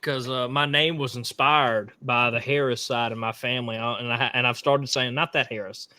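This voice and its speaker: A man's voice: medium pitch, steady tone, normal speed, bright, forceful tone. A man from Mississippi with a Southern accent, co-hosting a casual political podcast. He talks in a fiery, rambling way and often repeats words as he starts a sentence. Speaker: podcast co-host.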